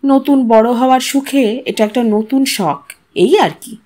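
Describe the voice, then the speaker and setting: A woman's voice: a little high, steady tone, unhurried, warm tone. A woman reading a literary short story aloud as a scripted audio narration.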